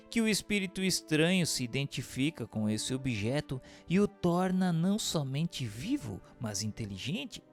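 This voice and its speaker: Earnest, methodical male questioner acted by a man, creaky gravelly voice, formal radio drama delivery over music. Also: mid-range voice.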